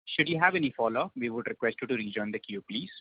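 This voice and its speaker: A man's voice: mid-range voice, expressive, fast talker, slight background noise. A man working as a conference call operator, reading scripted instructions formally and politely over a call line. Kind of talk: scripted procedural announcement. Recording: dull, band-limited call audio.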